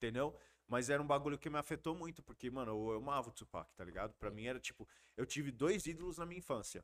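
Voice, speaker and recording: A man at a fairly high pitch and a very fast pace, with ordinary pitch variation. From São Paulo, Brazil (Grajaú), half his life in the US. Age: 40s. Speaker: English teacher and rapper. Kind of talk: casual chat.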